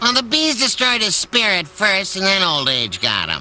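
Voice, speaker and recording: Over clear background noise, a cartoonish character voice moves along at a moderate pace. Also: man, high pitch for a man. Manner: gruff, sarcastic.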